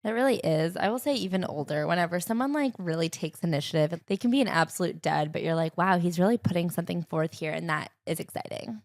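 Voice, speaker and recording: Gravelly low-pitched woman podcaster. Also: quick pace, few pauses, no echo, clean studio sound. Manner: relaxed and opinionated, with frequent "like" asides. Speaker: podcast co-host. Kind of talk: casual book-club chat.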